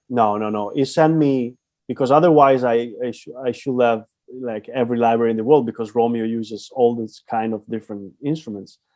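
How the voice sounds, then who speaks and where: A man with an Italian accent, a dark, mellow tone and fairly even intonation. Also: medium pitch for a man, fairly quick pace. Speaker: guitarist and producer. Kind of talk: interview. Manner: halting, many restarts.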